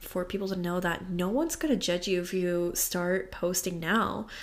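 An ordinary speaking voice with an American accent, a moderate pace, ordinary pitch variation and hardly any pauses. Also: woman. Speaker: activist. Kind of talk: interview discussion about current events.

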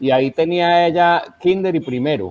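A man's ordinary speaking voice at a fairly high pitch and a fairly quick pace. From Colombia, Risaralda and Antioquia (Envigado). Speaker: writer. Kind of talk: casual interview conversation.

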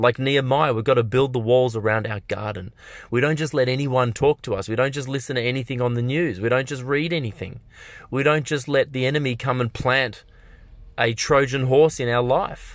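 On a very clean recording with a silent background, a man with an Australian accent talks at a fairly quick pace, with medium pitch and fairly even intonation. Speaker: pastor and podcast host. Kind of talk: sermon. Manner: forceful.

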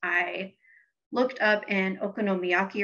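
A woman with an American accent, a bright, sharp tone and monotone, flat intonation. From United States. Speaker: business student. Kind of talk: interview.

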